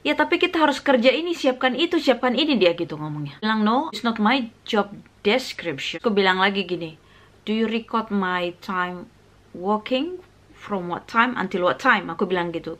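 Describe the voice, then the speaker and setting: Expressive and fairly bright, at medium pitch and normal speed, an Indonesian vlogger recounts a job experience. She re-enacts conversations, mixes in English, and fills her speech with frequent fillers.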